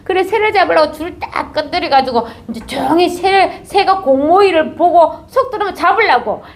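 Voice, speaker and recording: A woman's voice: very high voice, moderate pace. A woman giving a dharma talk as a Zen teacher, telling a story and acting out its characters. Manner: animated, acts out characters.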